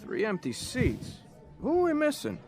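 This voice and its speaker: A man's voice: very high voice, huge pitch swings, moderate pace, music in the background, heavily acted. A man playing a cocky, flamboyant, jokey detective in an audio drama, showy and boisterous. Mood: playful. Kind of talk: full-cast audio drama acting.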